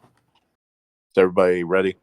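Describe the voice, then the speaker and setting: A man's voice: low voice, completely flat delivery, a little slow, a little mellow, clear, resonant tone. A man hosting casual comedic commentary with a dry, wry manner. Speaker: host.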